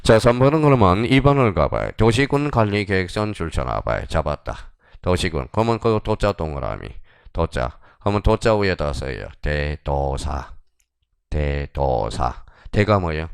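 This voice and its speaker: A male exam-prep lecturer with a low, gravelly voice that still rises and falls a lot as he drills the class. He fires short questions and answers them himself. The sound is dry and close. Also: very animated, normal speed, dry recording.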